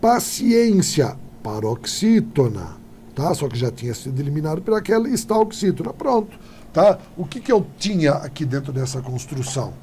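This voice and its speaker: A Brazilian man teaching Portuguese in an exam-prep video lesson, talking straight to his viewers and checking in with quick tag questions. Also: fairly high pitch, very animated, mellow, slight background noise.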